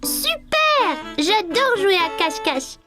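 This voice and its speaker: Cartoon dub: curious, kind four-year-old boy, very high voice, playful, music underneath. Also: sing-song, takes it slowly, full character voice. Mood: excited. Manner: exclaiming, wide-eyed, playful. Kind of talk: children's cartoon dubbing.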